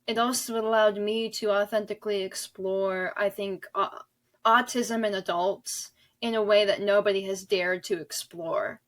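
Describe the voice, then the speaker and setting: Appearing as a guest on a conversational podcast, a woman who is an author and audio drama director speaks earnestly, emphatically and with some rambling. Her voice is medium in pitch and fairly bright.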